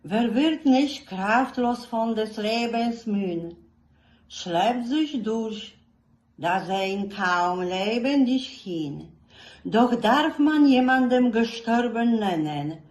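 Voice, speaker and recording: A woman from Poland recites poetry in a deliberate, expressive declamatory way. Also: on the high side. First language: Polish. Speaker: poetry reader, fan club representative. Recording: echoey room.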